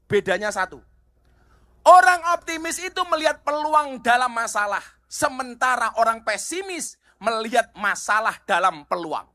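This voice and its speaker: Animated male preacher with Javanese accent. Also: very high-pitched, moderate pace. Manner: animated, rhetorical questions, switches into Javanese asides. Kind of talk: sermon.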